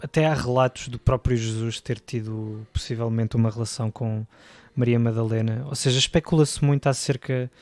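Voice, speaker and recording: Portuguese man, european portuguese accent, podcast co-host, measured mild speech, dry close mic. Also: mid-range voice, fairly even intonation, darkish tone, no room sound. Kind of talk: casual chat.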